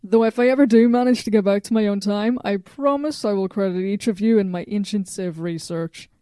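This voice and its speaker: A woman's voice: medium pitch, brisk, dark tone, clear, resonant tone, dry recording, close to an everyday voice. A woman playing a blunt, brainy researcher with a frank, matter-of-fact manner in an audio drama. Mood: frank, unimpressed. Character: blunt, brainy female researcher displaced in time.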